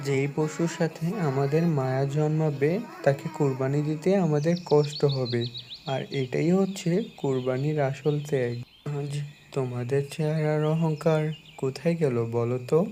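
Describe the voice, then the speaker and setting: A performer voicing a wise Muslim cleric in an animated moral story, speaking in a didactic, admonishing way. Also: medium pitch, normal speed, slight background noise, close to an everyday voice. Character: wise, admonishing Muslim cleric teaching children about sacrifice.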